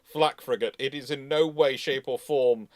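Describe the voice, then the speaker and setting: A man's voice: mid-range voice, fairly even intonation, normal speed, a little mellow, no room sound, studio quality. A man explaining things emphatically in a live question-and-answer discussion, often restarting his phrases. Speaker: host and naval historian answering questions.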